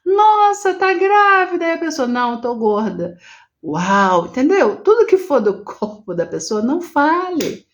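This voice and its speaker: A woman with a Brazilian Portuguese accent talks on a live stream as an integrative therapist. She chats with her viewers, greets them by name and often closes her thoughts with a questioning "né?". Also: on the high side. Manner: chatty, greets and answers viewers by name, ends phrases with "né?".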